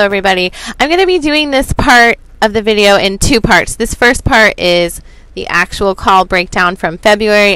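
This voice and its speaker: A woman's voice: medium pitch, a bit bright, smooth, no echo, rough recording. A woman hosting an online video, giving informal commentary and explaining things to viewers step by step. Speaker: host of a true crime video channel. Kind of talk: informal commentary going through figures for viewers.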